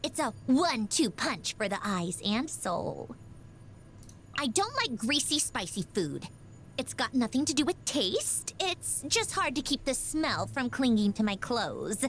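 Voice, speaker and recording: A woman's voice: a little high, sing-song, measured pace. An actress voicing a proud, ladylike young machine doll in a video game, with a prim, precisely worded delivery. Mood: refined, contented. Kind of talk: scripted video game character voice lines. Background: music.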